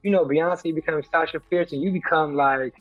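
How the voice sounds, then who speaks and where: A man from the American Midwest interviewing a guest in a casual, playful, slangy way with quick interjections. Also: on the high side, no room sound, highs cut off, soft background music. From Detroit, Michigan, US.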